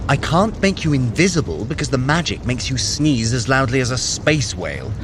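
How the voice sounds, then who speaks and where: An actor playing a sarcastic, theatrical trickster god in an audio adventure drama. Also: male voice, mid-range voice, sing-song, moderate pace, noisy background, close to an everyday voice. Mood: cautioning. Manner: sardonic, theatrical. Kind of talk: audio drama acting for a running app.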